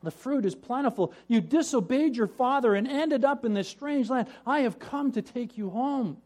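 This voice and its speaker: A man voicing a calm, gentle eldest brother. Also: very high voice, normal speed, voice pushed up. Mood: patient. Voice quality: soft, patient.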